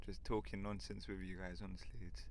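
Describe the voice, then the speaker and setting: A young man with a London accent and a monotone voice, joking around as podcast co-host in a car. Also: low voice, brisk, a little hiss or hum. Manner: laid-back, joking. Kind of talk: casual banter podcast. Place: inside a parked car.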